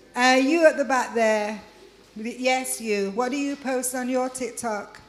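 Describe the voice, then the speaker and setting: With audible room echo, a woman speaks at a high pitch and a fairly slow pace. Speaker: documentary filmmaker and speaker. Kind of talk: interactive talk to audience. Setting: stage with audience. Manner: animated.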